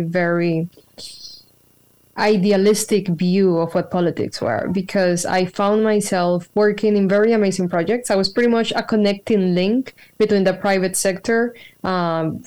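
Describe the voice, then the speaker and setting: A woman's voice: mid-range voice, a little mellow. A woman, telling her story as an interview guest over a video call, thoughtful and earnest with fillers. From Colombia. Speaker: guest, spiritual practitioner. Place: home room with a cat.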